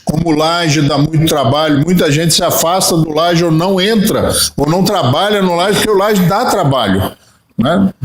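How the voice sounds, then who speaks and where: A man's voice: fairly high pitch, moderate pace, echoey room, low-quality recording. A man with a Brazilian Portuguese accent giving a spiritist lecture, telling stories and acting out little dialogues. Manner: storytelling with acted-out dialogue.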